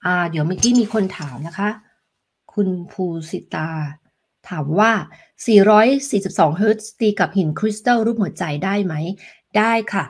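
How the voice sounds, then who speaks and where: A woman health coach runs a live demonstration lesson, gently explaining each step and answering viewers' questions as tuning fork tones ring behind her. Her medium-pitched voice is slightly rough, picked up by a desk microphone.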